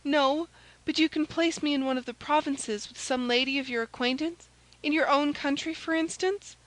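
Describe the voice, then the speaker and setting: A woman playing an anxious, high-voiced young maid. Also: normal speed, close to an everyday voice, poor audio. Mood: pleading. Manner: anxious, pleading. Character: frightened, lovestruck young French maid.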